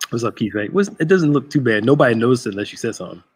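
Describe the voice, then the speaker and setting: A man's voice: mid-range voice, sing-song, quick pace, breathy edge. A man in his thirties, a pastor hosting a casual chat show from a church sanctuary, laid-back and joking. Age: 30s.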